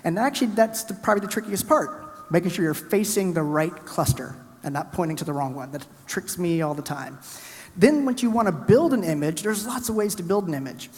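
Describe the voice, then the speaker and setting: Tech speaker, male, from the US South: quick, chatty, a bit high-pitched, reverb from the conference hall. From Alabama, US South. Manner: fast, energetic, chatty presenter narrating his screen. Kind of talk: live tech conference talk with coding demo.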